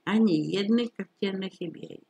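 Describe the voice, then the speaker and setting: A man's voice: high voice, gravelly, warm tone, slightly rough, voice pushed up, exaggerated voice. A man voicing a blunt older woman caretaker. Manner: colloquial, matter-of-fact.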